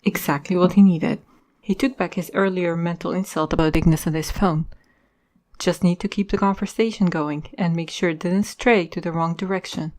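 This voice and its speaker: A woman's voice: on the low side, fairly even intonation, moderate pace, a little mellow, rough recording. A woman hosting and narrating a podcast, reading in a scripted style. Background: music.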